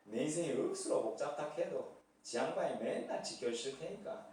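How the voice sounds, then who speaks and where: Guy putting on a gruff gyeongsang country accent, drawn out, booming church echo. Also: animated, darkish tone, slight background noise, close to an everyday voice. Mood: hearty. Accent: Gyeongsang dialect. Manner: slow, emphatic, laughing through it. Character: gruff rustic southeastern man reciting a psalm. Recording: echoey church hall from far off.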